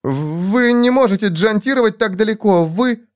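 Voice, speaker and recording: A man's voice: animated, moderate pace, no room sound, studio quality. Robin: a man voicing a nervous young woman. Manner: pleading, high-strung.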